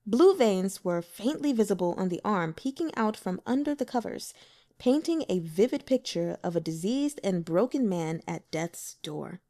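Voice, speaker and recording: Expressive woman reading an audiobook. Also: mid-range voice, moderate pace. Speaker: audiobook narrator.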